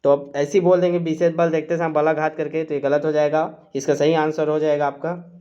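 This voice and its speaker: A man's voice: on the high side, level tone, a little fast, mellow, smooth, muffled recording. A man teaching a live online exam-prep quiz class, reading out questions and options and coaxing students with "theek hai". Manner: coaxing, repeats "chaliega" and "theek hai", reads options aloud.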